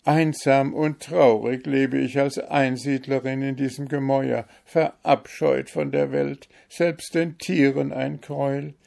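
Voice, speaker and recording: A man's voice: mid-range voice, little pitch movement, unhurried, gravelly, hardly any pauses, a little mellow, pitched above the performer's own voice. A man voicing a sorrowful owl who is an enchanted young princess, in a plaintive, mournful tone for an audiobook. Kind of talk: audiobook character voice.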